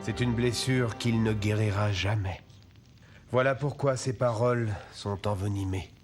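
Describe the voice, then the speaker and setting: A man voicing a calm, wise tribal chief and father in a cartoon, measured and authoritative, with music behind him. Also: on the low side, lightly acted. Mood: grave. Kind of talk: French animated film dubbing.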